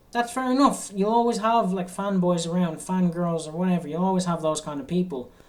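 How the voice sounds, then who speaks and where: The speech moves at a fairly quick pace with hardly any pauses. Background noise is noticeable. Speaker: gaming YouTuber. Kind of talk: monologue vlog. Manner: halting, repeats words.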